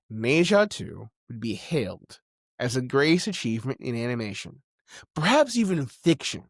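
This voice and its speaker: A film and animation commentator delivers an opinionated video essay in a conversational, insistent manner, dropping informal asides. His medium-pitched voice is captured in a dry, studio-quality recording.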